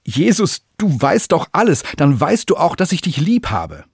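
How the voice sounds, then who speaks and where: A man's voice: on the high side, wildly swooping pitch, moderate pace, vocal fry, breathy edge, dry recording, studio quality, pitched above the performer's own voice, full character voice. Petrus, a man doing a flustered stammering fisherman. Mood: exasperated. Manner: stammering, rising and agitated. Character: flustered fisherman disciple, stammering then exasperated.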